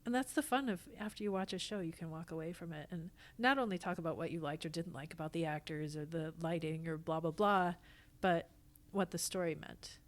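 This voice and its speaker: Speaking fairly quickly with few pauses, this woman has a lowish voice. She's a guest on a podcast, a theatre actor who founded a company, and her casual, reflective talk comes across as earnest and emphatic.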